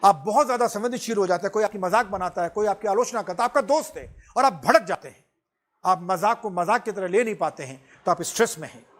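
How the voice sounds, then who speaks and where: Man, high voice, middle-aged, animated lecturer, chuckles often, mixes in English phrases. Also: quick pace. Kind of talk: motivational lecture to students.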